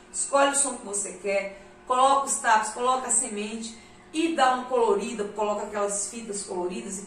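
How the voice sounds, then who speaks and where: In a room with audible echo and noticeable background noise, a woman speaks at a fairly high pitch and moderate pace with ordinary pitch variation. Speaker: storytelling workshop instructor. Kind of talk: workshop tutorial.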